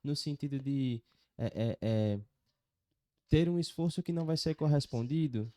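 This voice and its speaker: A man hosting a podcast, asking questions in a measured way. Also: mid-range voice, dark tone, no room sound, studio quality. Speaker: podcast host. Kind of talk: casual podcast conversation.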